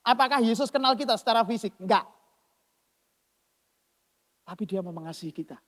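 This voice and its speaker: A man preaching a sermon as pastor, swinging between loud emphasis and soft asides. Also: sits high, expressive, fairly quick. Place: church hall. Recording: long church-hall reverb.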